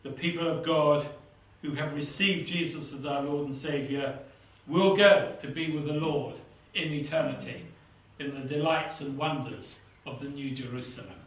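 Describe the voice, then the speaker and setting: A man's voice: a little high, moderate pace, few pauses. An older man with a British accent preaching a fervent sermon and reading scripture in a small church hall. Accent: British English. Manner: earnest, fervent, drops voice to a hush at phrase ends. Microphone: lapel mic. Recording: echoey hall, somewhat far from mic.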